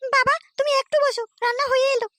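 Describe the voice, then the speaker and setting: A woman's voice: very high voice, fairly even intonation, fast, a bit bright, no room sound, studio quality. A woman voicing a young married daughter in a cartoon, weary and dutiful toward her father. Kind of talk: cartoon voice acting.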